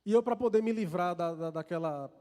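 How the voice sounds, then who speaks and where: A man's voice: high-pitched, a little fast, dull audio. A man with a Brazilian accent preaching a sermon, telling a personal story in an earnest, confessional way, often repeating and restarting words. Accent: Brazilian Portuguese. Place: large church hall. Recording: long reverb of a church hall.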